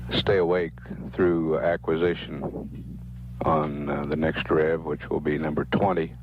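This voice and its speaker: An American man making official mission status announcements in a halting, measured, matter-of-fact way. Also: very deep voice, flat delivery. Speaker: mission control public affairs announcer. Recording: narrow-band archival broadcast with faint hiss.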